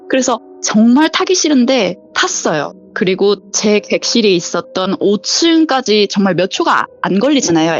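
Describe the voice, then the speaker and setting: A woman's voice: medium pitch, highs cut off. A woman, a flight attendant, telling a true ghost story as a vivid storyteller who acts out the quoted voices.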